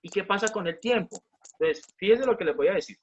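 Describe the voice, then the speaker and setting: A man's voice: high-pitched, quick pace, lo-fi sound. A man teaching a physics class online, explaining step by step, repeating key points and asking the students questions.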